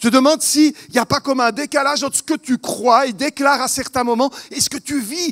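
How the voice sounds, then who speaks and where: A man speaks at a moderate pace with a slight Vaud accent. The sound is dry and close, with no echo. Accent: slight Swiss French (Vaud). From Switzerland, canton of Vaud. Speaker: preacher. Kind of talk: sermon. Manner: halting, many repetitions.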